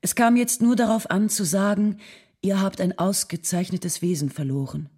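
A woman playing an earnest, tactful nineteenth-century lady, reading a letter in a measured, persuasive, formal way. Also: mid-range voice, a little mellow, breathy edge, close to an everyday voice. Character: Ottilie von Goethe, earnest, tactful 19th-century lady writing condolences.

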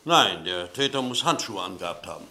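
An actor playing a police doctor with a terse, clinical delivery in a German radio play. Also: male voice, deep voice, animated, a little fast, sharp tone, exaggerated voice. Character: matter-of-fact male police doctor.

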